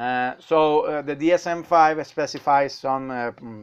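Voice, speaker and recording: Ordinary pitch variation from a man against a quiet background. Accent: Spanish. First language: Spanish. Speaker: university lecturer. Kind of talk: lecture. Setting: classroom. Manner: halting, with many fillers and repetitions.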